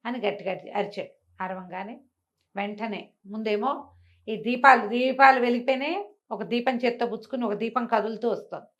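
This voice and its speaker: A woman's voice: fairly high pitch, moderate pace. Woman storyteller, slightly dull recording. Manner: conversational, with repetition and acted dialogue. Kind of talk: animated oral telling of a bedtime folk tale.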